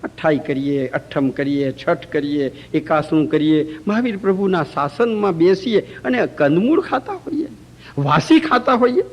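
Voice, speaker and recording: A man with a notably high-pitched voice teaches through anecdotes in a religious talk. He keeps turning to his listeners with rhetorical questions. It was recorded live in a community center hall. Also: sing-song, normal speed, dull audio. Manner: asks rhetorical questions of the audience.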